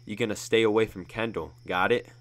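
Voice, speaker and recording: A man voicing a tough, threatening young male gang member who swears and shouts in a raised voice. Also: on the low side, steady tone, a little fast, close to an everyday voice. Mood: menacing. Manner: loud, swearing, aggressive.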